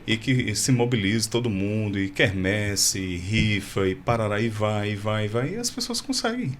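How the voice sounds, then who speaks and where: A man with a fairly low voice hosts a podcast interview, agreeing readily and steering the talk forward. There is a faint noise in the studio. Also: animated. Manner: affirming, quick to agree and laugh along. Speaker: podcast host. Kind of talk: casual interview chat.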